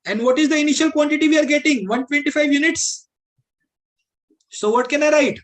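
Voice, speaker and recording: A man's voice: extremely high pitch, a little fast. A man with a South Asian accent teaching a class step by step, repeating points, mixing English with Hindi and often checking understanding with questions. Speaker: aptitude teacher. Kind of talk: classroom lesson, explaining step by step.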